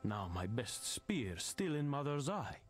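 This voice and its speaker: An actor voicing a proud tribal hunter and storyteller for a video game, speaking in short, simple, broken English sentences. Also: male voice, medium pitch, big pitch swings, measured pace, faint music behind. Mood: proud storytelling. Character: boastful tribal spear hunter and storyteller man. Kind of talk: video game character dialogue.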